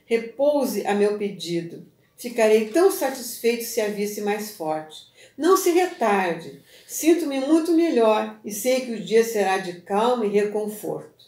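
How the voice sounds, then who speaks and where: A woman voicing a weak, faithful dying man, speaking softly and slowly through labored breath, in a book reading recorded on a phone. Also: mid-range voice, lively intonation, lightly acted. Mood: tender pleading. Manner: soft, slow, breathy pleading. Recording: echoey room on a phone.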